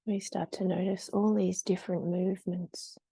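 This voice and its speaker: A woman leading a guided meditation in a gentle, soothing, unhurried way with long pauses between short phrases. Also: lowish voice, little pitch movement, creaky, breathy edge, no room sound.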